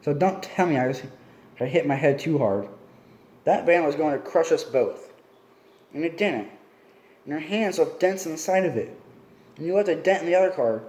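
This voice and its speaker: A stubborn, suspicious teenage girl , read out by a man in a mellow, near-natural voice, presses hard for answers and will not let things drop. The room sounds roomy and echoey around the reading. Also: a little high, very animated, moderate pace. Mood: heated. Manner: pressing, insistent questions.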